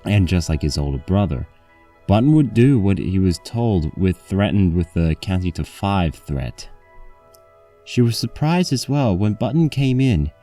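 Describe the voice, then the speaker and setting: Man, low-pitched, dark warm tone, scripted story narration, faint music behind. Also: expressive, a little slow.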